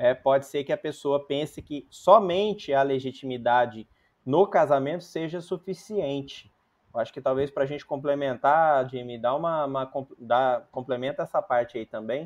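A man speaks at a moderate pace in an unremarkable speaking voice. His pitch is fairly high, with ordinary pitch variation. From Mato Grosso, Brazil. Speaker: live stream co-host, citizenship advisor. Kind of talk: casual chat.

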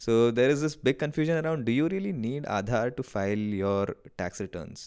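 On a very clean recording with a silent background, a man speaks in a normal speaking voice. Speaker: tech podcast host. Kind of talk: podcast interview.

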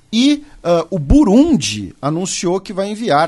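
His pitch jumps up and down over a very wide range. The voice belongs to a man. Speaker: podcast host, international politics commentator. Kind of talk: news commentary. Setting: studio recording late at night. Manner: frequent fillers like tá and né.

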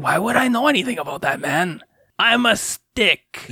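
The voice is a put-on character voice with a fairly high pitch. It moves at a moderate pace. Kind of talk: comic improv. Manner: aggressive, crude, slangy.

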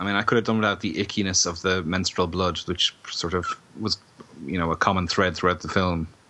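A man with a slight Irish accent, very deep and low in pitch, fairly even in intonation and fairly quick, amid noticeable background noise. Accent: mild Irish. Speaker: horror film podcast co-host. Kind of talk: casual chat. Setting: remote call.

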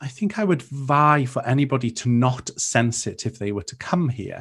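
Somewhat breathy and medium in pitch, a man with a Welsh accent speaks at a moderate pace with ordinary pitch variation on a very clean recording with a silent background. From Wales, Anglesey. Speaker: druid teacher and author. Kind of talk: interview. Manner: animated.

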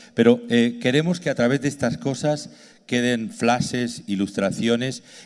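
Against total silence, this very clean recording carries speech delivered at a fairly slow pace. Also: man. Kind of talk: sermon. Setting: church with congregation. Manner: halting, full of fillers and restarts, conversational teaching tone.

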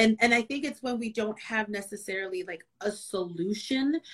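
The woman uses a normal speaking voice, moving at a moderate pace with ordinary pitch variation. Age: 40s. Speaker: therapist and podcast co-host. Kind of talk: casual chat.

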